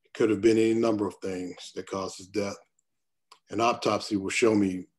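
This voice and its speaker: A man's voice: on the low side, fairly even intonation, moderate pace, lightly acted. An actor at a table read voicing a troubled male doctor in an earnest, clipped way. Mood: uneasy.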